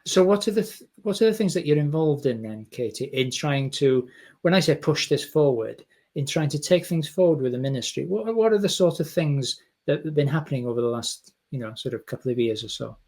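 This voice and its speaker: A man's voice: on the high side, animated, fairly quick, darkish tone. A man hosting an interview, summarizing his guest's points and asking follow-up questions. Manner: summarizing and rephrasing guest's answers. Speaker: podcast host.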